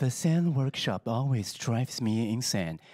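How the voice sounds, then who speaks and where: A man's soft-spoken, breathy put-on character voice at a medium pitch and moderate pace, on a very clean recording with a silent background. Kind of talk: articulation exercise.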